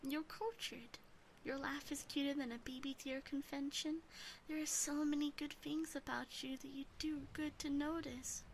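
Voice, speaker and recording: A woman voicing a teasing, obsessive yandere demon sister in an ASMR roleplay, breathy and often whispering, gently doting and possessive. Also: sits high, little pitch movement, moderate pace, slight background noise, low-quality recording. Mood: gentle reassuring.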